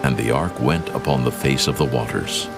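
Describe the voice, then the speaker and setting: A man narrating scripture from a script in a solemn, measured storytelling manner. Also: very deep voice, creaky. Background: music.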